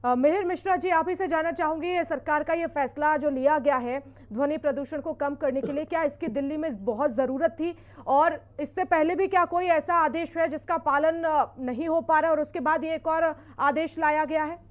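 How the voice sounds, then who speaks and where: A woman's voice: high-pitched, moderate pace, few pauses. A woman anchoring a television news panel, putting questions to guests. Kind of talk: moderating a panel debate.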